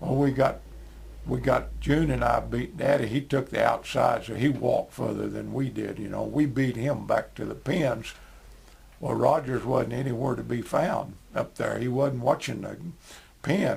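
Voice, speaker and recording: A man talks at a moderate pace in a rural Texas accent. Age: 80s+. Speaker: oral history interviewee. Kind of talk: oral history interview. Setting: recorded interview.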